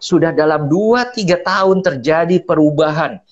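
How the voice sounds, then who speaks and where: Speaking at a normal speed in a slightly high voice, a middle-aged man gives a casual motivational business talk over a live stream. The phone-mic audio sounds dull, and he animates his stories by acting out quotes and laughing often.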